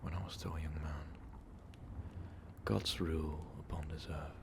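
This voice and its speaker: A man playing an ancient, brooding vampire overlord in an intimate ASMR roleplay, speaking in a weary, halting, breathy whisper. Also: fairly even intonation, background noise. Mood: somber, reminiscing. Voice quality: breathy, gravelly low whisper. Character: ancient, brooding male vampire overlord, tormented former rebel.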